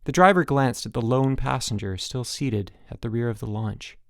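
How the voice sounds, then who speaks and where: Male audiobook narrator, mid-range pitch, measured storytelling read, dry sound. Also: creaky, no echo.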